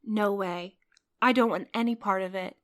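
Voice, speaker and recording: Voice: medium pitch, fairly even intonation, normal speed, lightly acted. An actor voicing a cautious, rule-minded courier in an audio drama who worries and protests. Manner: anxious, protesting, a bit prim. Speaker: night courier Milo.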